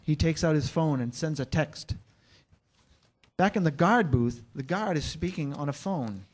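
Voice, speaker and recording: A man reads scripted scene directions as the narrator of a staged reading. His voice is a little high for a man. He describes the action in the present tense. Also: expressive, a little slow.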